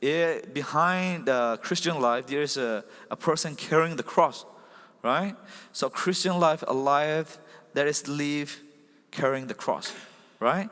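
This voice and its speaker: On a very clean recording with a silent background, a man with a fairly high voice speaks at a fairly slow pace, leaving long, frequent pauses, with ordinary pitch variation. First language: not Hakka Chin; another Chin language. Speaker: Sunday school teacher. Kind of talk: teaching session. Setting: church classroom with PowerPoint. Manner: code-switching between English and Chin.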